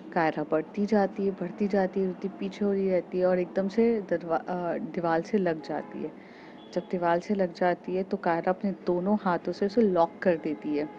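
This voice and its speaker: A woman's voice: fairly low pitch, muffled recording, slight background noise. A woman narrating a romance story casually, chatty and full of fillers.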